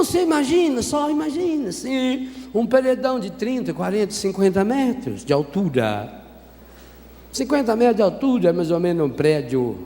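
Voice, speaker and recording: A Brazilian Catholic priest preaching a sermon, telling a story with humor and asking the congregation questions. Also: male voice, sits high, darkish tone. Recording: reverberant hall with faint noise.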